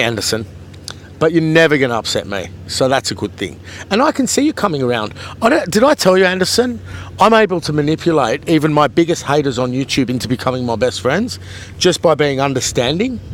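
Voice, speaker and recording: A man's voice: fairly high pitch, a little hiss or hum. A man vlogging at a beach, rambling and taunting a commenter. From Australia. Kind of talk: rambling vlog monologue. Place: outdoors at a beach.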